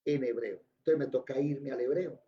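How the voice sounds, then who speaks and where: A man's voice: medium pitch, normal speed, reverberant. A man teaching a classroom Bible lesson. He spells out words letter by letter and quizzes his students. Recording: dull lo-fi recording.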